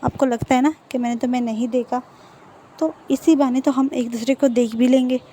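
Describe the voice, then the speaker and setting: Woman voicing a soft-spoken gentle young husband. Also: high-pitched, steady tone, brisk. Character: calm, gentle young man, a tender husband.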